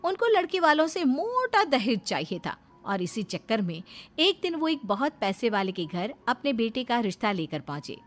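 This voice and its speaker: A woman's voice: a little high, sing-song, moderate pace. A woman narrating a cartoon storybook in a plain storytelling manner.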